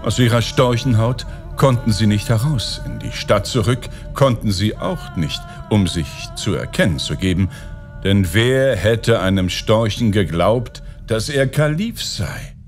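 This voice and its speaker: A man reading a fairy tale aloud as an audiobook narrator, with expressive storytelling. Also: fairly low pitch, measured pace, soft background music.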